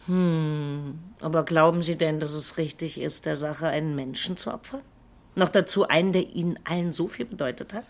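A woman playing a composed, persistent police investigator in a crime radio drama, with a measured, formal, probing way of speaking. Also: sits low. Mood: persuasive, insistent.

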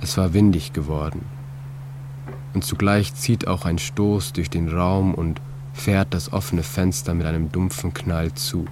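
A man reading his own literary prose in a calm, measured, reflective way. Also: sits low, background noise. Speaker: author and narrator. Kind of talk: scripted literary narration.

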